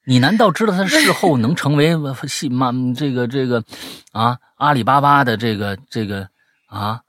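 A man hosting a chat show, reading listener letters aloud and teasing them with animated, mock-indignant commentary. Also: mid-range voice, moderate pace, no echo, studio quality. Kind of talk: comic commentary on listener stories.

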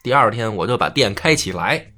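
A soft-hearted young merchant, put on by a male storyteller in a spoken folk tale. He is timid, pleads for mercy and talks earnestly. The delivery is lively and animated. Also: lowish voice, brisk, faint music behind. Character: meek, kind-hearted young merchant husband.

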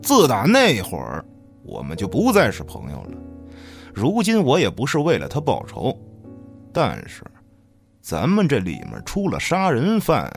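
Man acting fiery village tough, wildly swinging pitch. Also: huge pitch swings, unhurried, gravelly, soft background music, heavily acted. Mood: bitter, accusing. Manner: coarse, cursing, accusing, taunting. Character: hot-tempered, suspicious village tough trapped with a killer. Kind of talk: Chinese radio drama acting.

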